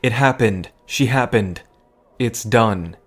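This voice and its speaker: An actor in an audio drama playing a guarded, pragmatic worrier, earnest and defensive, sometimes halting. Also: male voice, medium pitch. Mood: guarded, firm. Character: guarded, worrying man, pragmatic, once heartbroken.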